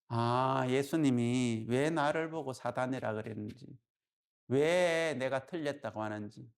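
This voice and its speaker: A male pastor preaching a sermon as lively storytelling, constantly checking in with the congregation. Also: mid-range voice.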